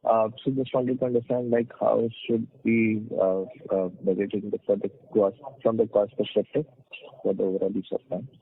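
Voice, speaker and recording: A man, an analyst calling in, asking questions in a hesitant, halting manner. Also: on the low side, level tone. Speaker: analyst caller. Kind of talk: asking questions on earnings call. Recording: muffled dry telephone line.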